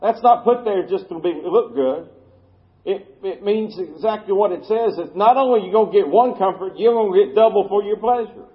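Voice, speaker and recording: Male pastor, high voice, chatty sermon delivery, muffled lo-fi recording. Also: moderate pace. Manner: folksy, conversational preaching with asides.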